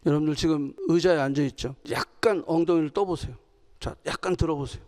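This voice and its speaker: A woman's voice: deep voice, fast. A woman pastor giving a sermon, questioning her congregation and acting out quotes with energy. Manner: animated, asks the congregation questions and acts out quotes. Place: church sanctuary. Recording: long hall reverb.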